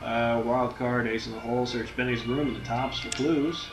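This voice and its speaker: A man's voice: mid-range voice, fairly even intonation, moderate pace. A man hosting a gaming channel, rambling and laughing as he comments while playing. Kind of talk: casual let's-play commentary. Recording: roomy, with game music behind.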